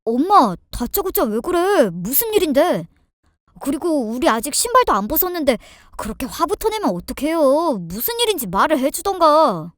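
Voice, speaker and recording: A woman's voice: high voice, big pitch swings, normal speed, no echo, studio quality. A woman voicing an exasperated, blunt husband, confronting and reproachful, in a dramatized family story.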